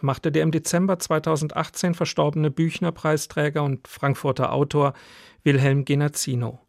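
A man reading a scripted radio introduction as announcer, in a measured, formal manner. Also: on the high side, dry recording, clean studio sound. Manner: measured, formal read delivery.

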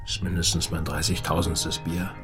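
A tireless, calm man behind a bar in a radio drama. His voice is on the low side, and he speaks in laconic, curious, probing phrases with natural ease. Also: moderate pace, soft background music. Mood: dry, easy. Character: calm, curious, tireless male barkeeper, a steady confidant.

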